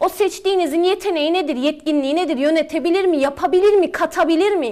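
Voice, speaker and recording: Over a quiet background, a woman speaks at a fairly quick pace with extremely high pitch. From Northern Cyprus. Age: 30s. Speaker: parliamentary candidate; candidate. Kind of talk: TV interview. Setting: studio. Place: studio. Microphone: lapel.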